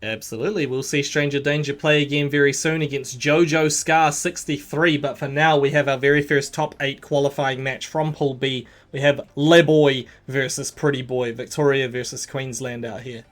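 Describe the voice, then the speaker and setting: A man from New Zealand with a New Zealand accent, casting a fighting game tournament and breaking into loud, excited calls. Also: medium pitch, moderate pace, hardly any pauses. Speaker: esports caster.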